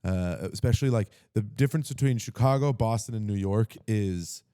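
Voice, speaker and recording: Low-ish guy on a podcast, lots of ums and restarts, warm dry sound. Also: moderate pace, clean tone, dry recording. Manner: hesitant, filler-heavy, laughing. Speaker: podcast co-host, comedian. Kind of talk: casual chat.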